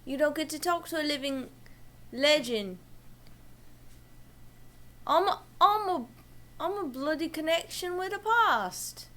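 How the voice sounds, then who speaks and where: A woman playing a grandiose, excitable aged performer, pompous about being a living legend, in a comic monologue. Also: sits high, slow pace, long pauses, voice pushed up, heavily acted. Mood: grand, insistent. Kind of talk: comedic character monologue.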